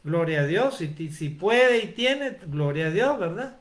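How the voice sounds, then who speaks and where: A man's voice: high voice, animated, a little slow. A man preaching a sermon, asking rhetorical questions and calling his listeners brother. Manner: rhetorical questions with frequent tag "¿verdad?", addresses listeners as brother.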